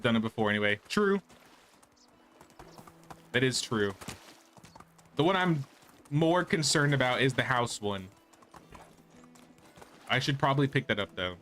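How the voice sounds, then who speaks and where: A man's voice: medium pitch, expressive, a little slow, pauses often, a bit bright, faint music behind. A man streaming a game, giving casual live commentary with dry, wry asides.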